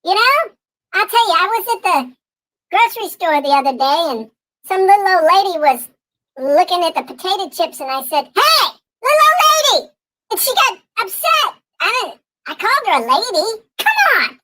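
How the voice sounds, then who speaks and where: A man voicing a cheeky, touchy male talking pickle through a pitch-raising face filter, ranting in a whiny, brash comic way. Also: expressive, normal speed, bright, forceful tone, heavily acted, low-quality recording.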